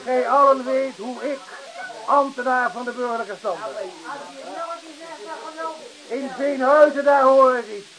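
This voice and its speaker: An actor playing a pompous self-styled registrar, making bombastic, halting, repetitive ceremonial speeches in a radio play. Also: male voice, very high voice, steady tone, low-quality recording. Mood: agitated, declamatory. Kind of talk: theatrical radio play acting. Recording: radio play with crowd noise.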